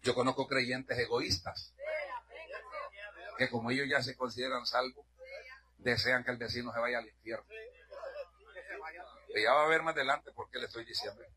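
A middle-aged man from Honduras preaching a sermon in a church. He is fervent, shouts at his peaks and drops to hushed asides. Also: mid-range voice, fairly even intonation, moderate pace, long pauses, rough recording. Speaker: pastor.

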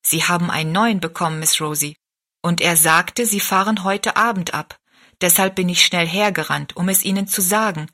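Earnest storybook boy helper, deferential and direct, bright tone, read by a woman. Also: fairly low pitch, normal speed. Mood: earnest, helpful. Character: helpful, deferential lad at a travelling fair. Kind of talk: storybook narration.

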